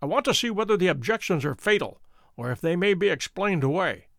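A man voicing a calm, imperturbable detective who speaks with dry wit. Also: sits high, fairly quick, vocal fry, dry recording, heavily acted. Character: cool, witty adult male detective, calm and bland.

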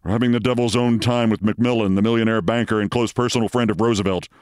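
A man's voice: lowish voice, fairly even intonation, quick pace, a little mellow, clean tone, dry recording, studio quality, lightly acted. A man voicing a distraught, anxious male doctor in a storybook reading. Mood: weary, distraught. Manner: nervous, deferential.

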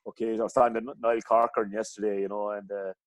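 Middle-aged man, west of Ireland Clare accent, lowish voice, dry close sound, chatty rambling storyteller. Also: flat delivery, fast talker, dry recording. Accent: west of Ireland, County Clare. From County Clare, west of Ireland. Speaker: interview guest, hurling coach. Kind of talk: casual chat, anecdotes.

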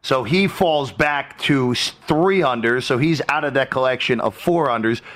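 A man's voice: mid-range voice, moderate pace, a bit bright. A man hosting a sports show, giving live updates in the manner of a golf commentator.

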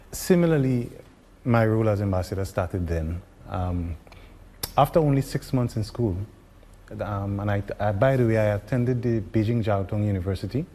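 A man from Grenada speaking as an ambassador, his voice lowish and mellow. He talks haltingly, stopping often for ums, and a long reverb trails his words. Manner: halting, many pauses and ums. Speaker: ambassador, interview guest. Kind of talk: interview answers.

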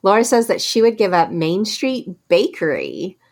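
A woman's voice: mid-range voice, huge pitch swings, moderate pace, creaky, darkish tone. A woman co-hosting a podcast, chatting casually and rambling through questions for listeners with many restarts. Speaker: podcast co-host.

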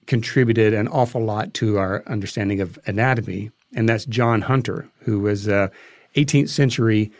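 A man being interviewed as a guest, telling anecdotes conversationally and haltingly as he thinks aloud. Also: lowish voice, dry recording, studio quality.

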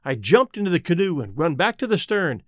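A folksy boy from the played by a man tells his story in plain colloquial words. The voice is fairly high, animated in pitch and recorded very dry, in audiobook style. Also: fairly quick, no room sound. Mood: uneasy. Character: Huck, a folksy, matter-of-fact adolescent Southern boy narrator. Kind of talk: first-person audiobook narration.

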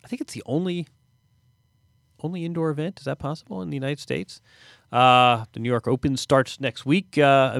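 A man's voice: medium pitch, fairly bright tone, no echo. A man hosting a conversational sports podcast, speaking in thoughtful, hesitant phrases with dry asides. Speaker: podcast host.

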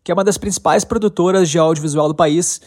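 A man's voice: fairly high pitch, fast. A man with a Brazilian accent hosting a podcast in an informal, agreeable way. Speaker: podcast host. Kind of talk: casual podcast chat.

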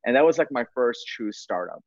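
Energetic man telling startup stories. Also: medium pitch, a little fast, no room sound, highs cut off. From Bangladesh, raised in New York. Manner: energetic, self-deprecating storyteller. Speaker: guest entrepreneur. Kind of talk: casual interview storytelling.

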